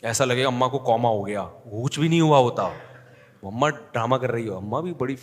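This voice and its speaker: A man giving a lively storytelling sermon as a cleric, acting out the people in his stories. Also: medium pitch, in a large hall.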